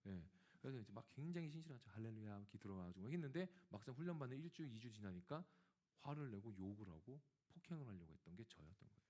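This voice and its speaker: Male pastor, lively pitch, storytelling sermon that addresses the congregation. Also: quick pace. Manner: animated storytelling, acting out dialogue; speaks directly to the congregation.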